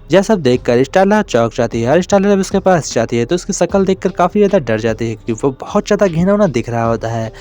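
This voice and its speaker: A man's voice: fairly high pitch, darkish tone. A man narrating a film plot recap in a plain storytelling way, leaning heavily on intensifiers.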